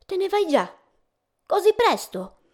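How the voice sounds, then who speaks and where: A woman reading a storybook aloud and voicing a playful, teasing angel in a high, bouncy voice. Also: big pitch swings, a little slow, darkish tone, full character voice.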